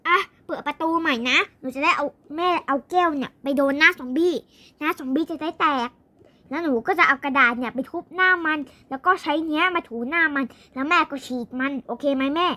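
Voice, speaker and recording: Young female storyteller for game roleplay: very high, sharp, excitable. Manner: excitable, repeats words rapidly. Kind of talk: improvised toy-game roleplay, voicing all characters.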